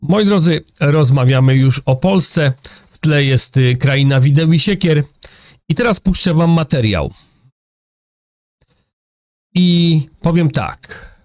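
A man's voice: on the high side, animated, takes it slowly, long pauses, darkish tone, no echo, clean studio sound. Indignant middle-aged man ranting to camera. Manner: indignant, sarcastic, addresses viewers directly. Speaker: political commentary vlogger. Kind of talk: opinionated news commentary. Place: indoor room with a large window over a city.

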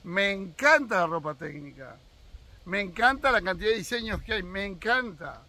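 An Argentine man in his sixties talks outdoors on his own land, sharing firm opinions directly with his viewers. His voice sits high and bright, and his pitch swings widely as he makes his points. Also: expressive, moderate pace. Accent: Argentine Spanish. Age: 60s. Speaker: fishing vlogger. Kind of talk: casual opinion monologue.

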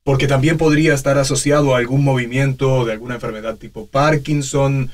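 A man in his forties giving informal, animated instruction as a voice coach in a small studio. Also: medium pitch, fairly quick. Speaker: voice actor teaching a tutorial. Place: small home voice studio, indoors.

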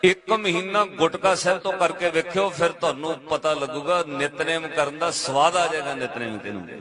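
A man's voice: a little high, moderate pace. A man preaching to a live congregation in a Punjabi accent, exhorting his listeners with direct questions and playful asides. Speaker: Sikh preacher. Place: gathering with a crowd. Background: crowd responding.

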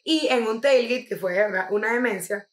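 Young Venezuelan woman, co-host, animated and slangy storyteller, slightly high voice, roomy echo. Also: fairly quick. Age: young adult. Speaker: podcast co-host. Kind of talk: casual chat.

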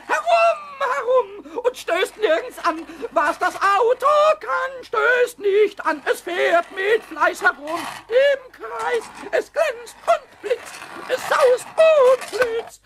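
A man playing a tiny, childlike, cheeky and impatient kobold in a children's audio drama, squeaky, stammering and repeating words. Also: lively intonation, slow pace, few pauses, background noise, full character voice. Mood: gleeful. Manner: breathless stammering repetitions, bursts into rhyme.

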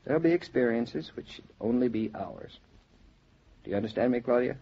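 An actor playing a gentle, earnest young newlywed husband in a 1940s radio drama. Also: male voice, mid-range voice, lively intonation, a little fast, creaky, slightly rough. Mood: tender. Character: David, young newlywed husband, tender and reassuring. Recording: dull 1940s radio transcription.

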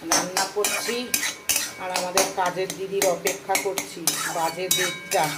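Heavy background noise surrounds this woman's fairly low voice, which holds little pitch movement and moves at a normal speed. She's a vlogger and mom in her thirties, casually narrating her day at home and cooking, addressing viewers directly in a homely, chatty manner, indoors in her kitchen and rooms.

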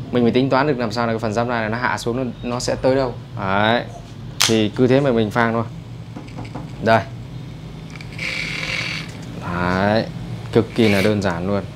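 A man with a Northern Vietnamese accent giving a brisk, chatty hands-on haircut tutorial in a barbershop. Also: mid-range voice, noisy background. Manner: brisk, chatty, addresses viewers as brothers. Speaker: barber instructor. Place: barbershop indoors.

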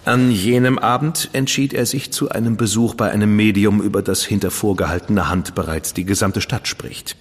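An actor playing a witty, decadent dandy detective's partner in a German radio drama, flippant and ironic. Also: male voice, on the low side, fairly even intonation, normal speed, few pauses, long reverb tail, close to an everyday voice. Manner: flippant, ironic, self-satisfied.

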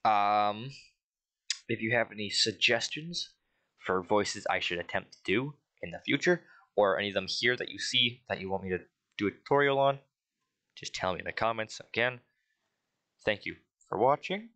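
Deep-voiced, bright-toned casual man. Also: normal speed, no echo. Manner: rambling, with restarts and fillers, reads out settings. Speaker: tutorial creator. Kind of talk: casual spoken tutorial.

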